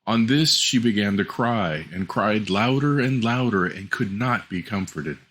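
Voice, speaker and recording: A man with a fairly low voice tells a fairy tale. His tone is bright and forward, and his scripted storytelling is measured and expressive.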